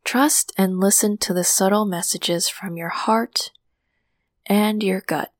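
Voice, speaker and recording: A woman with a calming voice hosts a meditation podcast and leads a guided session. She speaks softly and slowly, dropping into a whisper on some breathing cues. The sound is dry and close, with no room around it. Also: medium pitch, no room sound. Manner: soft, slow guiding with whispered breath cues.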